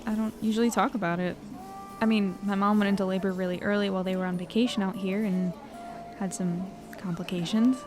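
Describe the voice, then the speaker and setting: A woman's voice: mid-range voice, steady tone, brisk, music in the background, close to an everyday voice. A woman playing a thoughtful, easygoing young woman in a naturalistic audio drama, speaking in a reflective way. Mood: subdued, apologetic.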